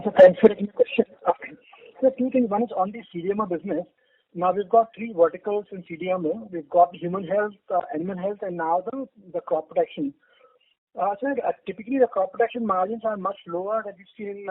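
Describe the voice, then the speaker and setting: High-voiced, quick man, phone line. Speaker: analyst asking questions. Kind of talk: questioning on an earnings call. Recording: muffled narrowband phone line.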